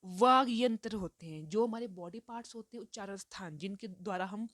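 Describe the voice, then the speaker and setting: A woman teacher gives a lecture, working through each point step by step and stopping to ask rhetorical questions. Her voice sits at an ordinary middle pitch. The recording is close and dry, with no room sound. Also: fairly quick, a bit bright, dry recording. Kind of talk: Hindi lecture mixed with English terms.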